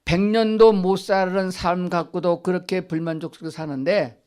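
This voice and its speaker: An older man preaching in a church sanctuary, his voice sitting a little higher than most men's. He keeps asking his listeners questions and then answers them himself. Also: fairly even intonation, normal speed, darkish tone, smooth. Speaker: pastor. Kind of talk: Sunday sermon.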